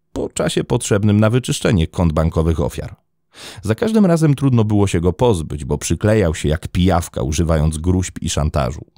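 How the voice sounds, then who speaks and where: Man, very low voice, dark tone, dry close recording, measured true-crime narration. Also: no echo. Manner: measured storytelling delivery.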